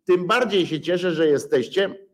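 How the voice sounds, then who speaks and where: A man's voice: high-pitched, moderate pace. A man hosting a casual livestream chat, rambling and self-mocking with many filler sounds, sore and bruised. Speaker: livestream host. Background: dog present.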